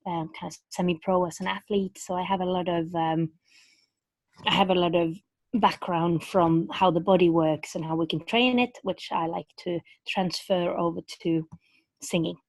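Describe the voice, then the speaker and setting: A woman's voice: on the low side, steady tone, moderate pace, dry recording. A woman with a Norwegian accent, a vocal coach teaching a webinar over a video call in a chatty way with many fillers and restarts, speaking around a bitten tongue.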